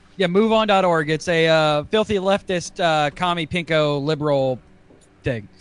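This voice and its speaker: With a normal speaking voice, a man talks at a fairly slow pace, his pitch varying in an ordinary way and his loudness very even over a quiet background. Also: fairly high pitch for a man. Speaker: podcast host. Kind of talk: casual banter podcast. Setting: video call.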